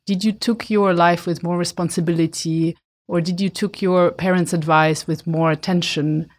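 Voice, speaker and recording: Woman interviewer asking thoughtful questions, lowish voice. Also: steady tone, normal speed.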